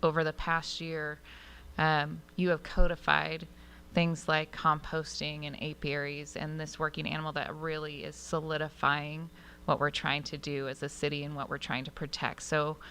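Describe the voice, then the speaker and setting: A woman council member giving measured, appreciative remarks at a council meeting, speaking into a desk microphone in a council chamber. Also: low-pitched, completely flat delivery, pushed and bright, a little hiss or hum.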